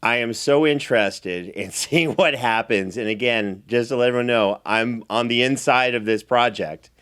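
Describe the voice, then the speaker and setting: A man's voice: medium pitch, normal speed, a bit bright, clear, resonant tone. A man hosting a podcast in a casual, conversational interview style, generous with compliments. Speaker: podcast host and producer.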